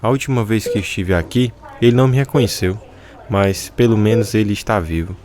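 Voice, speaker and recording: An actor in a radio drama playing a supportive, straight-talking baseball coach. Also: male voice, lowish voice, brisk, close to an everyday voice. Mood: concerned.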